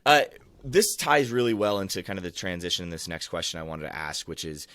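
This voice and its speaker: A man's voice: deep voice, very animated, fairly quick, a bit bright, no room sound. A man hosting a podcast who gives short affirmations and asks long framing questions. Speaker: podcast host. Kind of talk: interviewing.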